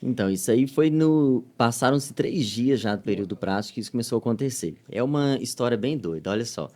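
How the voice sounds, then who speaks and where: A man with a Minas Gerais accent recounts his experiences on a podcast. His voice rises and falls, loud in one moment and hushed the next, carried on a pitch of middling height. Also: fast. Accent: Minas Gerais Portuguese. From Minas Gerais, Brazil. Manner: animated storytelling, swings from loud to soft. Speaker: missionary guest. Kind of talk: podcast testimony.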